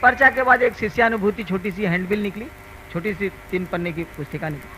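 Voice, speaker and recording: Bright-voiced older man giving a spiritual talk. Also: high voice, fast talker, a little hiss or hum, low-quality recording. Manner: conversational storytelling, earnest and emphatic. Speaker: spiritual teacher. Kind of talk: spiritual discourse.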